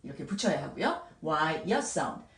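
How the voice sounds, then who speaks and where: A woman teaching English grammar in a patient way, sounding out words slowly and repeating them. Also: deep voice, sing-song, fairly bright tone, echoey room, distant mic. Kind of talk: explaining grammar at a whiteboard.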